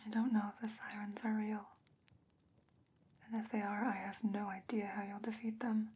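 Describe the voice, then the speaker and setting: A woman playing a calm, knowing sorceress in a fantasy ASMR roleplay, speaking in a hushed, breathy, deliberate whisper. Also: mid-range voice. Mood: grave, caring.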